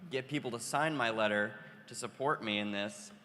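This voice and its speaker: A teenage high school student speaking on a panel, hesitant, with many fillers and restarts. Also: male voice, normal speed, sharp tone. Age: teens. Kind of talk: panel remarks. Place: convention hall. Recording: hall reverb, faint noise.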